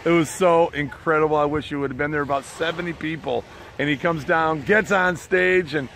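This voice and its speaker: An enthusiastic man pitches casually to a vlog audience in a slightly high voice with noticeable vocal fry. He is salesy and repeats himself for emphasis. The recording is outdoors, with some background noise. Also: fairly even intonation, a little fast, a bit bright. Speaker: online business promoter and host. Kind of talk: casual promotional vlog talk. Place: outdoors beside the ocean.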